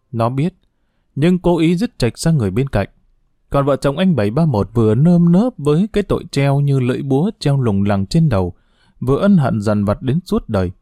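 A male narrator reads an audiobook in a steady, somber way. His voice is dark and mellow. It is recorded close and dry, with no room sound. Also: medium pitch, no room sound.

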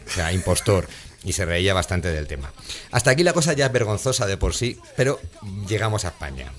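A low-pitched man with a Spain Spanish accent hosts a comedy show with a sarcastic, mocking tone. He often breaks into laughter as he talks, with faint music in the background. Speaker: radio podcast host.

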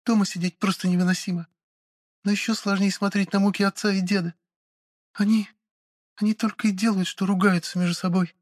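A man voicing a withdrawn, grieving young woman who speaks quietly and haltingly. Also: sits high, flat delivery, no room sound, studio quality, voice pushed up. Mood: subdued. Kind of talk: audiobook character voice.

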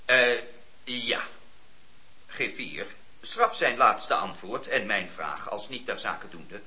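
Sharp, stern judge. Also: male voice, fairly low pitch, animated, slow pace, heavily acted. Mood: flustered. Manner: sharp, formal, interrogating. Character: stern, impatient male judge questioning a witness. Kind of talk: radio play acting. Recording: dull, echoey radio play recording.

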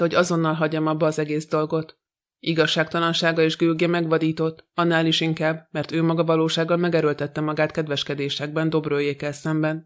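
A man voicing an angry, defiant young man in an audiobook, speaking bitterly in an even, flat delivery. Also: fairly high pitch, natural voice.

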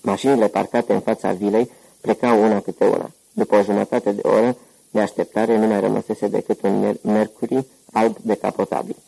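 Guy reading an audiobook, low dark husky voice, steady pace. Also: low-quality recording. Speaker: audiobook narrator. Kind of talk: scripted narration.

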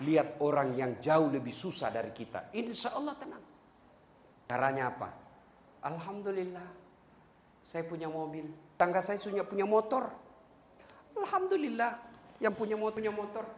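A man preaching a sermon to a live audience, animated and joking, sometimes singing a line of a song. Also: very high-pitched. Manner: animated, joking with the crowd, sings snatches of songs. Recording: echoey hall, light background noise.

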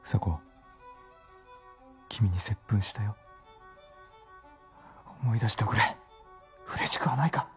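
An actor voicing an anguished doctor husband, speaking pleading and pained in a radio drama. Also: male voice, on the low side, takes it slowly, long pauses, a bit bright, faint music behind. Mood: tender.

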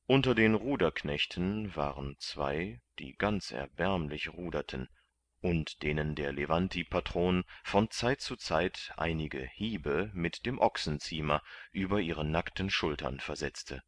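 A man reading a classic novel aloud as narrator, in a measured, even way. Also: low-pitched. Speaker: audiobook narrator.

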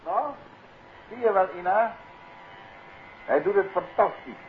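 An actor playing an urbane, confident amateur detective in a 1950s Dutch radio play, with a Netherlands accent. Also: male voice, sits high, slow pace. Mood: genial, brisk. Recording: muffled noisy 1950s radio recording.

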